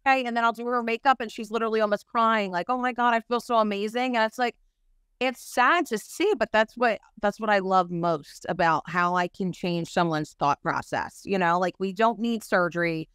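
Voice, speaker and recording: A woman makeup artist, a guest on a podcast, talking in an animated, chatty way full of fillers. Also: medium pitch, normal speed, smooth, no room sound. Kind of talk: casual chat.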